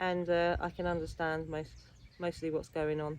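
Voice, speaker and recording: This woman talks in a strong Kentish accent. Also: quiet background. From England, Kent. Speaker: vlogger. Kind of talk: casual Q&A vlog. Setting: outdoors with horses. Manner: casual, halting with fillers.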